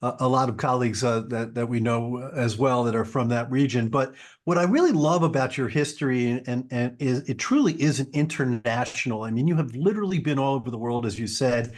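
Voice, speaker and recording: A man's voice: medium pitch, brisk, few pauses. A man hosting a podcast interview, an orthopedic surgeon who talks in an enthusiastic, effusive, promotional way.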